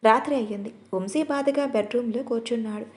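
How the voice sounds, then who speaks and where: Woman storyteller, scripted narration, mellow dark tone, steady read. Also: on the high side, fast talker.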